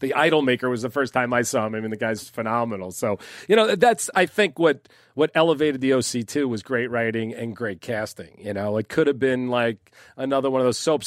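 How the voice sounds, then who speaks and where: Speaking at a fairly quick pace, a man with a New York accent has a medium pitch and lively intonation in a dry, close recording with no echo. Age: 50s. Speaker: TV writer and podcast host. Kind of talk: casual chat. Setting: studio.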